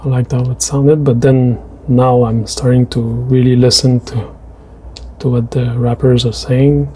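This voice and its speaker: Male French Canadian voice-over, native French speaker, hesitant and chatty, mellow tone, mid pitch. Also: flat delivery, unhurried, slight background noise. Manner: hesitant, many restarts and fillers. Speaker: artist narrating a drawing video. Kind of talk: casual voice-over chat.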